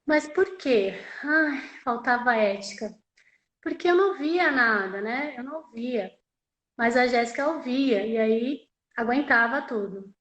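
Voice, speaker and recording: A woman's voice: on the high side, expressive, measured pace, a bit bright, roomy sound, poor audio. A woman interpreting live, voicing a deaf signer's personal story in the first person, in a conversational way with frequent tag questions and repeated phrases.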